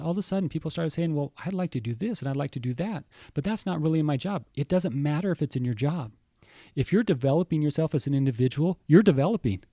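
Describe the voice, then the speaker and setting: A man speaking as a guest executive in an interview, telling animated stories with enthusiasm. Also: a little high, dry recording. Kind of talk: interview conversation.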